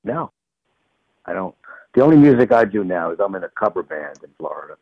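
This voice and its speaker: A man on speakerphone over a phone line, a comedy writer talking as a guest in a dry, deadpan way. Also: low-pitched, brisk, creaky, slightly rough, no room sound. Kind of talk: casual call-in interview.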